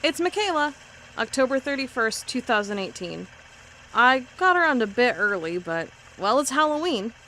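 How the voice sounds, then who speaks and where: A woman's voice: fairly high pitch, very animated, moderate pace, sharp tone, slight background noise. A woman playing a wry, curious investigator who records a log and reads old case files in an audio drama. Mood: wry, intrigued.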